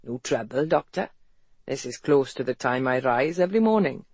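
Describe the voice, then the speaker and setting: A narrator voicing a dry, amused Welsh businessman with a Welsh accent, speaking low and frankly. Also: animated, moderate pace, no echo.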